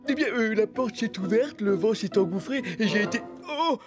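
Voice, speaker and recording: A man's voice: high-pitched, expressive, normal speed. A man voicing a polite, timid, good-natured little critter in a French children's cartoon, speaking in courteous, hesitant, old-fashioned phrases. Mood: sheepish. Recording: music bed behind the voice.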